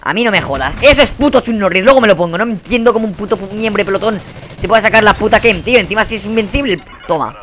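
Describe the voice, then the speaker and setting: A man's voice: high-pitched, fast talker, a bit bright, a little hiss or hum. A young man with a Spain Spanish accent giving heated gameplay commentary, swearing and ranting at other players. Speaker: gaming channel host. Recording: faint game gunfire behind.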